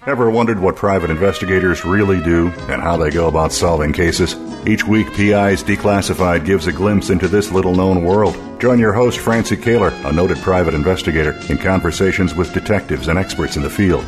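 A man's voice: deep voice, brisk, few pauses. A man reading scripted radio promos. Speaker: promo announcer. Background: music.

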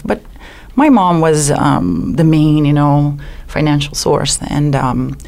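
A woman's voice: fairly low pitch, darkish tone. A woman from Brazil with a Brazilian Portuguese accent, a guest on a radio show, telling her story casually with many fillers and restarts.

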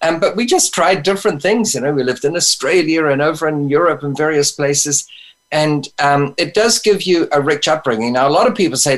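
A man with a slightly high voice tells stories as a podcast guest. His humor is wry and self-deprecating, and he often chuckles at his own lines. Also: fairly bright tone, poor audio. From New Zealand. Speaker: interview guest. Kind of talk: storytelling in interview.

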